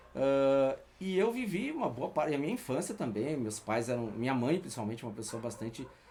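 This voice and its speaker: A man with a medium pitch speaks fairly quickly and with lively intonation, noticeable background noise audible throughout. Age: 60s. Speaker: retired teacher and artist. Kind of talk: casual interview chat.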